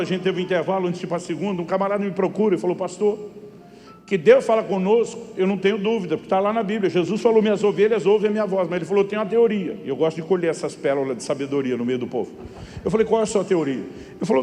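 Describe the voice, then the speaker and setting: Brazilian pastor preaching in a hall. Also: male voice, high voice, racing, dark tone. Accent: Brazilian Portuguese. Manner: storytelling, acts out dialogue, rising to emphatic peaks. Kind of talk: sermon.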